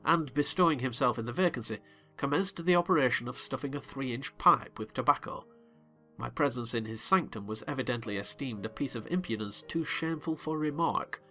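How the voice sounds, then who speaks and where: A man giving an expressive, measured dramatized reading of a classic novel. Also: medium pitch. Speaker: narrator.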